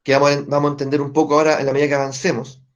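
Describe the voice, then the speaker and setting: A man teaching family constellations to a group, explaining step by step and often checking in with his listeners through quick tag questions. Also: fairly high pitch, little pitch movement. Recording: dull lo-fi recording.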